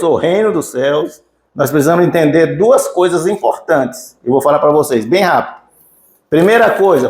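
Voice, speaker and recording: A male preacher with a Mineiro Brazilian accent delivers a teaching sermon, stressing key points and checking with his listeners. His voice sits rather high for a man. The sound carries the echo of a church room. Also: darkish tone. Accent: Mineiro Brazilian Portuguese. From Minas Gerais, Brazil. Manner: emphatic teaching, asks the congregation questions. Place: church sanctuary.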